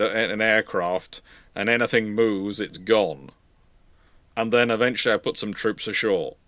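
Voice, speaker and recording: A man with a fairly low voice speaks in a casual live question-and-answer style, as a history host would. The sound is dry, with little room on it. He thinks out loud conversationally, often asking himself questions. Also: dry recording.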